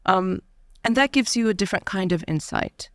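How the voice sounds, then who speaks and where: Woman podcast host, smooth resonant voice, measured delivery with fillers, dry studio sound. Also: medium pitch, lively intonation, no room sound. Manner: measured, with frequent fillers and soft laughs. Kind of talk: podcast interview. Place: university studio.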